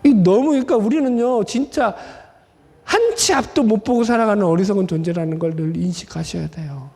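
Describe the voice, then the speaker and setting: A man with a high voice preaches an expository sermon, talking with his congregation and peppering them with questions. His voice carries a long reverb from the church hall around him. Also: a little fast, darkish tone, husky. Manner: conversational, asks the congregation questions. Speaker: pastor. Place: church sanctuary.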